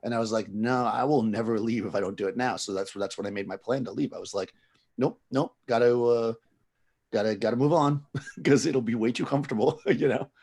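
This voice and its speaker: A man hosting a casual chat as a photographer, talking in a quick, chatty way and laughing easily. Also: mid-range voice, vocal fry, a little mellow, breathy edge. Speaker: photographer host.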